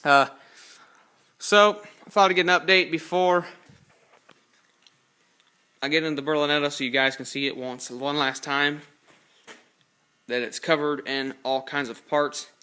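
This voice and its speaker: A man's voice: fairly high pitch, fairly even intonation, measured pace, long pauses, sharp tone, clear, resonant tone. An eighteen-year-old man casually walking through his car project in a home garage, rambling and correcting himself as he films on a phone. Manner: rambling, self-correcting, plain-spoken. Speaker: hobby car builder. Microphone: handheld phone camera.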